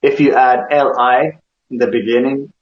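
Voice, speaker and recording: A man's voice: mid-range voice, fairly even intonation, normal speed. Echoey, slightly dull recording, man, East African accent, informal questioning host, repeats words back, casual chat. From Kenya. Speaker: host comparing vocabulary with a guest. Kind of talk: casual chat in a language comparison.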